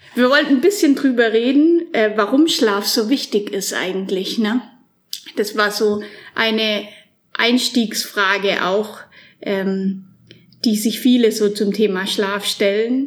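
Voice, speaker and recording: A woman with a fairly high voice speaks at a very slow pace, with long, frequent pauses and ordinary pitch variation. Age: 20s. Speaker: podcast host, youth welfare worker. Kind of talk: casual chat.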